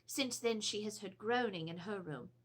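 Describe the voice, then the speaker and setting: A woman's voice: medium pitch, normal speed, slightly rough, natural voice. A woman playing an anxious, genteel Edwardian wife in a theatrical, formal reading of a letter about a haunting. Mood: uneasy. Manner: theatrical, expressive, formal storytelling. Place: indoors, seated before a draped backdrop.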